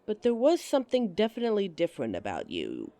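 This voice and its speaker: A woman's voice: mid-range voice, wildly swooping pitch, quick pace, mellow, no room sound. A woman playing a giggly, teasing date. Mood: friendly. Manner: teasing and giggly, laughs often. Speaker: voice actress in an audio roleplay. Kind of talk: audio roleplay addressing the listener as a date.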